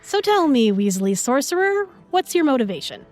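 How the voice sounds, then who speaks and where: A woman's voice: high voice, big pitch swings, moderate pace, a little mellow, soft background music. An actress playing a feisty, sarcastic modern young woman in a fantasy audio drama, sassy and confrontational in casual slang. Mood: sarcastic challenge.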